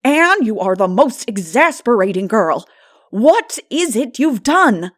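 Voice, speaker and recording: Lady doing a stern older guardian woman from a storybook, brisk and scolding, no-nonsense, dry close sound. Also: fairly high pitch, very animated, fairly bright tone, no echo, pitched above the performer's own voice, full character voice. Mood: exasperated. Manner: brisk, scolding, matter-of-fact. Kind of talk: dramatic audiobook character voice.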